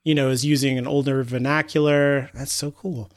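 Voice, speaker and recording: A man's voice: mid-range voice, level tone, normal speed. A man co-hosting a podcast in casual, inquisitive conversation. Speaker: podcast co-host.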